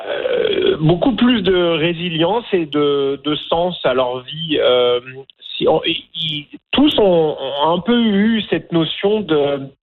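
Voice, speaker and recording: A man's voice: fairly high pitch, expressive, takes it slowly. Hesitant French man on a phone line. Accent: French from France. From France. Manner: hesitant, many fillers and restarts. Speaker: documentary filmmaker guest. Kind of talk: radio interview.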